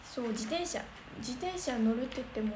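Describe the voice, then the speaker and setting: A bubbly young woman from Kansai chats to her viewers, her voice sitting a little high. She rambles with lots of fillers and reads out comments. The room sounds echoey, with a clear hiss of noise behind her. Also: animated, moderate pace. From Kansai region of Japan. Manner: chatty, bubbly, thinks aloud with many fillers. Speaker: idol livestreamer. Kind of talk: casual livestream chat reading comments.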